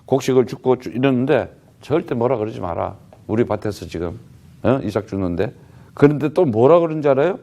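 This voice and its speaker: A missionary preaches a sermon in a mid-range, animated, warm voice at a brisk pace. He talks plainly and conversationally to the congregation, emphatic and full of rhetorical questions, frequently tagging lines with "huh?"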